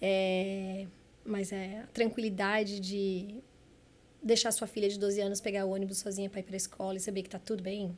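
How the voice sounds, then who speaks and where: Speaking at a moderate pace and medium pitch, a woman keeps her intonation monotone and flat. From Brazil. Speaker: physiotherapist. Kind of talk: interview.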